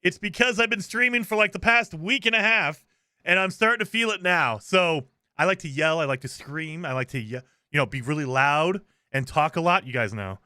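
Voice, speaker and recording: In studio-quality audio with no room sound, a man with a fairly high, bright, forceful voice talks a little fast and expressively. He's casually chatting and commentating on a live game stream, cheerfully thanking viewers by name and laying out the rules, a touch scratchy from days of streaming.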